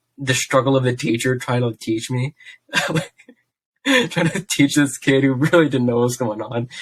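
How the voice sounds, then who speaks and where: Pausing long and often, a man speaks in a somewhat breathy voice with ordinary pitch variation. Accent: American. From Texas. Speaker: podcast guest. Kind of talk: casual chat. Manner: halting.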